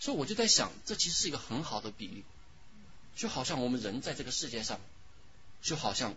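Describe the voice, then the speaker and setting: Over noticeable background noise, a man with a fairly high pitch talks at a fairly quick pace, swinging his pitch very widely and leaving long, frequent pauses. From mainland China, Yangtze riverside. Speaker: lay preacher. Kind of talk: sermon. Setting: church women's fellowship with audience.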